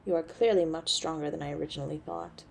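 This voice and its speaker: A woman playing a haughty, cold succubus mother in an audio drama, speaking formally and with disdain in a husky, creaky voice. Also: sits low, steady tone, fast, heavily acted. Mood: stern, grudging. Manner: imperious, formal, disdainful of mortals. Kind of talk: audio roleplay drama acting.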